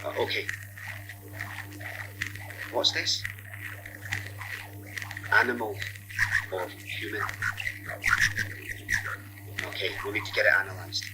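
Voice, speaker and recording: An actor playing a businesslike forensic investigator. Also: male voice, on the low side, slow, long pauses, noisy background.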